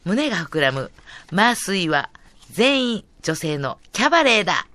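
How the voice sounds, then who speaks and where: A woman with a Kansai accent co-hosting a radio podcast, relaxed in casual chat as she moves the segment along. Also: on the low side, a little slow.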